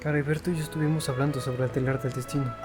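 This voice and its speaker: A man's voice: medium pitch, fairly even intonation, very fast, over music. A native Spanish-speaking man hosting a gaming video, reading game dialogue aloud.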